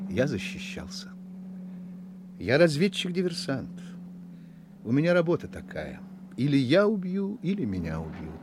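An actor playing a smug, cunning German army officer in a radio drama, mock-friendly and condescending, used to giving orders. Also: male voice, fairly high pitch, huge pitch swings, moderate pace, pauses often. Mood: cold, persuasive. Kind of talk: Soviet radio drama acting. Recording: noisy old radio drama recording.

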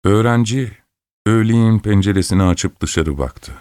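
A man reads a fairy tale aloud in a measured, expressive way. His voice sits very low, and the recording is dry and close, with no room sound. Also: smooth, no echo. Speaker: storyteller. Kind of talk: storybook narration.

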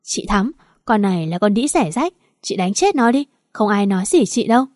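Spiteful young woman, sneering, read by a woman narrator; mellow, dry. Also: mid-range voice, lively intonation, normal speed, no echo, lightly acted. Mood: scornful. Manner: sneering, scornful.

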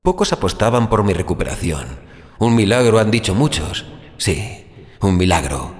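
An actor playing an anguished injured father waking from a coma, in a halting, brooding monologue for audio fiction. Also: fairly low pitch, very animated. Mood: solemn, reflective. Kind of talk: dramatic first-person audio fiction monologue.

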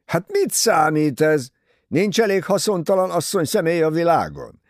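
A man reading an audiobook, voicing a rude, hot-headed young man who is scornful and breaks into shouting. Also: mid-range voice, very animated, gravelly, no room sound, clean studio sound.

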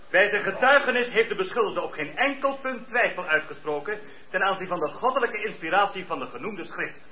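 An actor playing a firm, impartial presiding judge in a radio drama, speaking in formal, measured official phrases. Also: male voice, high-pitched, bright, forceful tone. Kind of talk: Dutch radio play acting. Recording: roomy, dull radio play recording.

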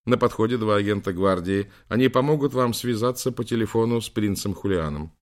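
A man reading as an artificial assistant, male and British, unhurried and courteous, a little raised in pitch above a low reader's voice. a steady, mannered audiobook voice. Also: natural voice. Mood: reassuring. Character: polite male computer assistant with British accent.

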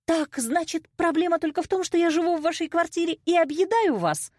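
A woman's voice: medium pitch, sing-song, normal speed, no room sound, clean studio sound, pitched above the performer's own voice. A woman voicing a hurt, defiant twenty-year-old daughter in an audiobook, indignant and emotional. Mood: hurt, angry. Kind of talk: audiobook character acting.

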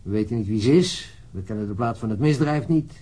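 Casting: frustrated, matter-of-fact detective for radio crime drama; low, mellow voice with dry delivery. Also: male voice, animated, a little fast, breathy edge. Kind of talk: radio drama acting, naturalistic.

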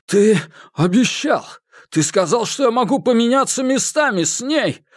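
A man's voice: lively intonation, normal speed, no room sound, studio quality. A man reading an audiobook voices a panicked young man who shrieks and whines as he begs. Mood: pleading. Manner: shrill, whining, begging. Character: hysterical pleading man, young adult.

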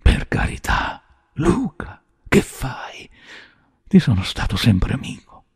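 A man's voice: wildly swooping pitch, moderate pace, vocal fry, a little mellow, husky, dry recording, whispered, studio quality, full character voice. Man doing a panicky, pleading man. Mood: panicked. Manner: panicky, high-pitched pleading. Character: terrified middle-aged man, pleading.

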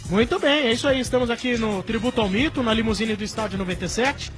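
A man hosting a live sports radio show from a mobile studio van at a stadium, chatty and upbeat with quick back-and-forth. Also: very high-pitched, soft background music.

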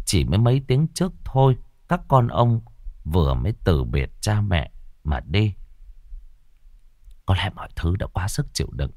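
A man tells a ghost story in a grim, dramatic voice. His pitch sits low and moves widely, and the recording is dry and close with no room sound. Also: very animated, normal speed, long pauses, a little mellow, no room sound. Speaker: horror story narrator.

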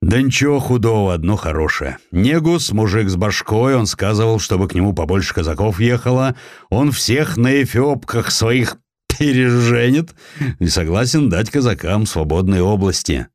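A man's voice: lowish voice, a little mellow, no room sound, clean studio sound, close to an everyday voice. A man voicing a bold, free-spirited Cossack adventurer with blunt, folksy speech in an audiobook. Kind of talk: audiobook character acting.

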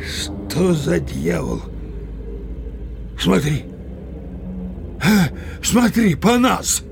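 An actor playing a grumbling, sociable and indecisive village Cossack in an audio play, with drawn-out exclamations. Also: male voice, on the high side, big pitch swings, vocal fry, over music, heavily acted. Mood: grumbling, indignant. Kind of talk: theatrical audio play acting.

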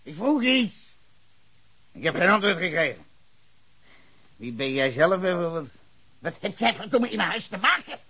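An actor playing a hostile, cursing bar owner in his fifties in a radio play, shouting and then muttering. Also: high voice, big pitch swings, normal speed, long pauses, husky, heavily acted. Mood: furious. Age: 50s. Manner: cursing, ranting, swings between shouting and muttering. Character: foul-mouthed hostile older male bar owner, drunken ranter.

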